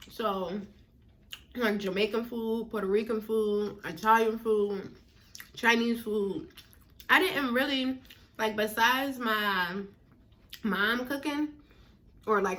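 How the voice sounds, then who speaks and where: A woman's voice: a little high, a bit bright. Casting: American woman, mukbang host, casual and chatty, talking between and through bites of food. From northern United States. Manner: chewing while talking, with pauses to eat. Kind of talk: casual chat to viewers while eating.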